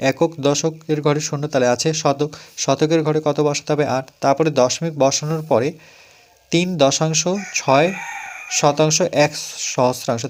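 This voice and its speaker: A man with a fairly high voice leads a math lesson for schoolchildren. He breaks each step down, says the numbers over and over, and answers his own questions as he goes. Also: a little hiss or hum. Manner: explains step by step, repeats numbers slowly; asks questions and answers them himself. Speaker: math teacher.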